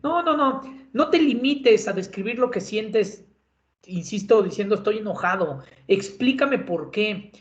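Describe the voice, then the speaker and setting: A man's voice: high voice, lively intonation, unhurried. A man with a Mexican accent giving a conversational lecture as an instructor, with many filler sounds and tag questions. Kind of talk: lecture on communication. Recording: roomy, dull lo-fi sound.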